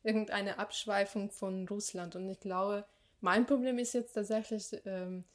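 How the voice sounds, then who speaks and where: A woman's voice: medium pitch, fairly even intonation, a little slow. A young adult woman co-hosting a casual podcast conversation, thoughtful and reflective, with frequent fillers and restarts. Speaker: podcast co-host.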